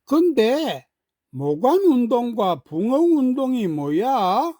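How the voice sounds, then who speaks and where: A woman acts out a young girl from a children's storybook, pitched well up. She is curious and playful, quick to exclaim, and eagerly cheers her mother on. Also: sing-song, warm tone, dry recording, clean studio sound, exaggerated voice.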